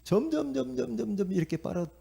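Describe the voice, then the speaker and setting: A middle-aged male pastor from Korea preaches with a gravelly, husky, darkish voice. His delivery is lively and sweeps widely in pitch as he acts out the voices in his stories, and he keeps calling out to the congregation. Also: fairly quick. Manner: animated storytelling, acting out inner voices and quotes; repetitive, calls out to the congregation. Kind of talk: sermon.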